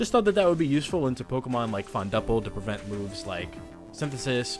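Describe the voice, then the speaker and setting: Over music in the background, a man at a medium pitch talks very fast with very wide pitch swings. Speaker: gaming content creator. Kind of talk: casual commentary to viewers.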